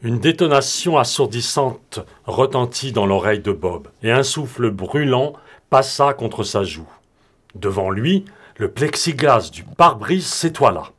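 A man narrating an adventure novel as an audiobook reader, in a steady, clear reading. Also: mid-range voice, unhurried.

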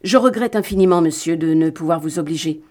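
A woman's voice: sits low, fairly quick, darkish tone. A woman reading the part of a proud, middle-aged male detective who speaks in a courteous, formal and coolly dismissive way. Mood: aloof.

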